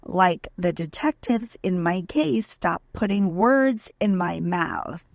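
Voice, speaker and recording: Woman acting slow, creaky, aggrieved female defendant. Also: lowish voice, animated, dry recording, clean studio sound, heavily acted. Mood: indignant questioning. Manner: indignant, emphatic, deliberate list-like delivery. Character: aggrieved, desperate female defendant pleading her case in writing. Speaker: narrator of a dramatic reading. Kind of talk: dramatic reading of a letter.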